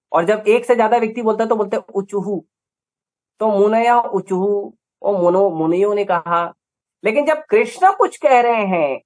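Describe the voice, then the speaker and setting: A man with an Indian accent giving a scripture lecture, emphatic, with rhetorical questions and repeated lists. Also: sits high. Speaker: preacher.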